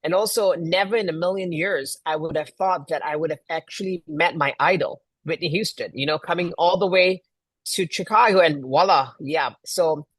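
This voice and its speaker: A man's voice: on the high side, moderate pace, fairly bright tone, breathy edge, dry recording. A middle-aged man from Malaysia, a guest event planner, talking casually with many ums and restarts. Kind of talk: casual interview talk.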